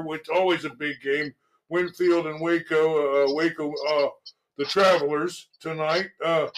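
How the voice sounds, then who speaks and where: A man hosting a casual sports radio show in a halting, folksy manner. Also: on the high side, fairly bright tone, poor audio.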